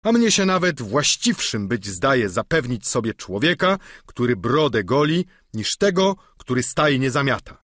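A man's voice: medium pitch, very animated, measured pace, a bit bright, dry recording, clean studio sound, voice pushed up. A man voicing a formal, grandiose aging nobleman knight in an audiobook. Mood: lofty. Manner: formal, lofty. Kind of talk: audiobook character reading.

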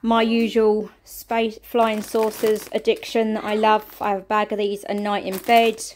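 A woman's voice: medium pitch, flat delivery, unhurried, noisy background. A middle-aged woman chatting casually through a family food haul in her kitchen, rambling and counting items aloud. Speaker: family vlogger. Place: home kitchen, indoors.

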